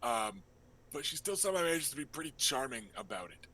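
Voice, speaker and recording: A man working as game master, narrating a tabletop role-playing game in a casual, halting, improvised way. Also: mid-range voice, very animated, pushed and bright, breathy edge, poor audio.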